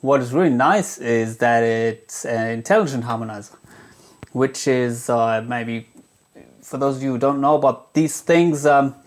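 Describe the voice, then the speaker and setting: A man demonstrates guitar gear in a relaxed tutorial, his speech halting and packed with filled pauses. His voice sits at a medium pitch.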